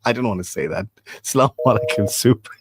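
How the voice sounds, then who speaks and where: A man's voice: lowish voice, fairly quick, background noise. A man hosting a breakfast radio show in the studio, teasing and laughing through joking banter. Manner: playful, teasing, laughs often. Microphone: studio microphone.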